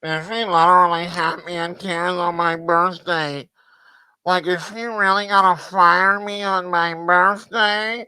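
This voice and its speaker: A man's voice: high-pitched, steady tone, measured pace, pushed and bright, clear, resonant tone, no room sound, exaggerated voice, poor audio. A man voicing a whiny, nasal, self-pitying man who stammers and whimpers. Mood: mock crying.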